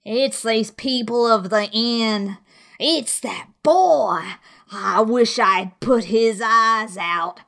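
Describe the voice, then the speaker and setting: Lady doing a angry old blind pirate boss guy, barking orders, slow and raised up, storybook style. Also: a little high, gravelly, a bit bright, heavily acted. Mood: furious. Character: furious, domineering blind old pirate man. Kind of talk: dramatic audiobook character voice.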